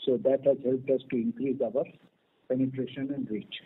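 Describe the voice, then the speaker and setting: A man, a company executive, answering analysts' questions on an earnings call, halting with many fillers. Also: medium pitch, steady tone, slightly rough. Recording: tinny phone line.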